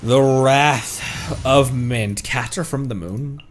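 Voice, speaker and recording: An American man chatting casually on a game livestream in a rambling, halting way. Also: mid-range voice, a little hiss or hum. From American Midwest and Tornado Alley region. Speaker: game streamer. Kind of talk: casual livestream chat over gameplay. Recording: game music behind the voice. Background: video game music.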